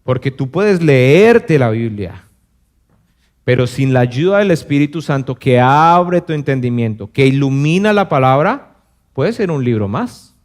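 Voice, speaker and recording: A man's voice: very animated, a little slow. A man pastor preaching a sermon in a conversational way, asking the congregation rhetorical questions and briefly acting out other voices. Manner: acts out other voices with dramatic pitch swings. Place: church service. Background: soft piano.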